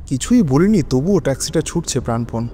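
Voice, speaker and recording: An actor playing an anxious, hesitant widower in an audio drama, speaking dramatically in halting short phrases. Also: male voice, medium pitch, very animated, mellow, a little hiss or hum, close to an everyday voice. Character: anxious, hesitant widowed lover narrating his own unease. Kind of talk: Bengali audio drama narration and dialogue. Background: dramatic music.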